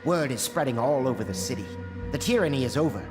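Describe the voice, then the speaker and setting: A man plays a blunt, gruff conspirator with a lively, rising-and-falling delivery. His voice carries a long hall tail over music. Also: medium pitch, fast, lightly acted. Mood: relieved.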